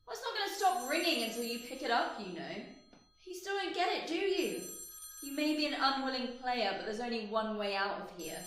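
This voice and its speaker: A woman's voice: high voice, very animated, a little fast, a little hiss or hum. A woman playing a sarcastic hotel guide, heavy echo. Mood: impatient. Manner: scolding, dry and sarcastic. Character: sardonic impatient female guide of a hellish hotel. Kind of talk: horror audio drama acting. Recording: heavy echo with loud music. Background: music and a ringing telephone.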